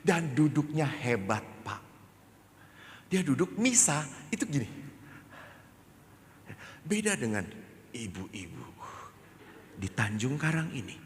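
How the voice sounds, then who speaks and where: A man, a Catholic priest, preaching a sermon with animated storytelling, acting out the dialogue. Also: medium pitch, slow, pauses often, long reverb tail, slight background noise.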